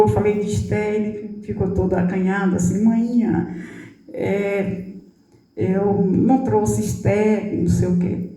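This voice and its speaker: Uma mulher de setenta anos com sotaque nordestino brasileiro, pregando como apóstola e contando um testemunho emocionado, imitando as falas das pessoas e baixando a voz com ternura. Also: female voice, medium pitch. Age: 70s. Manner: tender storytelling, acting out quoted dialogue, voice dropping soft. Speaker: apostle preaching. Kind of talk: emotional testimony in a sermon. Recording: roomy hall, voice from a distance.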